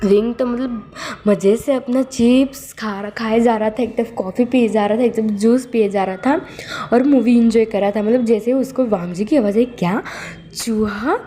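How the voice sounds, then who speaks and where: A woman's voice: on the high side, moderate pace, mellow. A woman casually narrating a fan story, rambling with many fillers and self-corrections.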